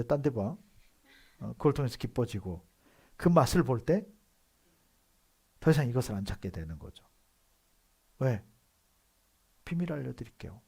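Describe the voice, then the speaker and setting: A male pastor with a Seoul accent preaching a sermon in a conversational way, moving between quiet asides and loud emphatic outbursts. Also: fairly low pitch, slightly rough. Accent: Seoul Korean. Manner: conversational preaching with frequent affirming "yes" asides.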